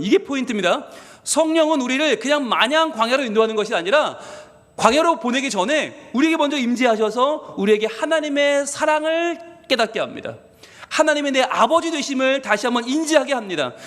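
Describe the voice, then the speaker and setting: A male pastor preaching a sermon, emphatic and lively, leading the congregation to read scripture aloud. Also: very high-pitched. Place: church sanctuary. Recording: long hall reverb.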